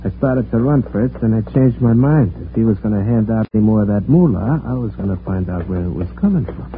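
A man's voice: on the low side, animated, a little fast, slight background noise, natural voice. Man as hapless wise guy, tinny radio sound. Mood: rueful. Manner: slangy, put-upon, colorful streetwise storytelling. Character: hapless, nervous small-time wise guy telling his tale. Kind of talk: old-time radio comedy crime drama acting. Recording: tinny old radio recording.

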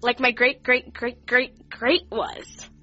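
A sarcastic, slangy teenage girl, played by a young woman, talking back to detectives in a radio drama. Her voice sits high and bright. The recording is a little dull. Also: fairly even intonation, slow, soft background music, exaggerated voice. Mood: snarky. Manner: sarcastic, slangy, eye-rolling. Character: flippant underage female witness, sarcastic teen. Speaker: witness being questioned.

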